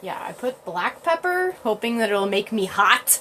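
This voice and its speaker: A woman speaks over noticeable background noise. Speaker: yoga teacher and live streamer. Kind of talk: casual live stream chat. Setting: live stream from her cottage. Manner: loud.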